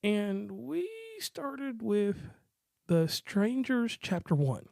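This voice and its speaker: A man co-hosting a casual movie review podcast, talking in a relaxed, rambling, joking way. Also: high-pitched, drawn-out words, gravelly, dry recording, clean studio sound. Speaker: podcast co-host.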